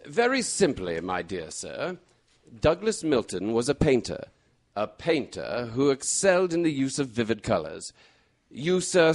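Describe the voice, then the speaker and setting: An actor playing a shrewd, composed gentleman detective in a radio mystery, explaining precisely and deliberately. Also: mid-range voice. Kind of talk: old-time radio mystery acting.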